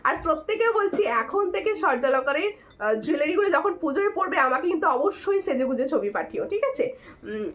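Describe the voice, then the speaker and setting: Hoarse woman pitching jewelry live. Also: animated, quick pace, fairly bright tone. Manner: chatty and repetitive, thanking viewers and urging screenshots. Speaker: jewelry seller hosting a live sale. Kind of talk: live-stream sales pitch.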